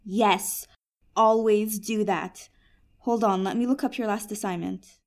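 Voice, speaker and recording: A woman's voice: medium pitch, fairly even intonation, unhurried, a little mellow, close to an everyday voice. A woman playing a patient, wry genie who runs a magical help desk in a fantasy comedy audio drama, sounding professional. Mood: patient, businesslike. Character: patient, helpful female genie working magic support desk.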